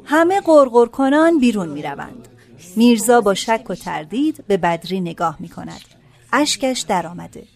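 Woman calmly reading stage directions. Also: medium pitch, gravelly, soft background music. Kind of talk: scripted narration.

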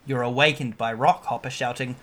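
A woman's voice: very deep voice, fairly even intonation, brisk, fairly bright tone. A woman hosting a comedy podcast, reading a children's book aloud and bantering in a playful, self-deprecating way.

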